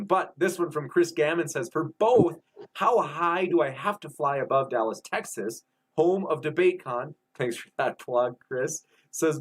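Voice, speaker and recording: Chatty man reading viewer questions. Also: fairly high pitch. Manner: friendly, chatty, reads messages aloud. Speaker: debate show host.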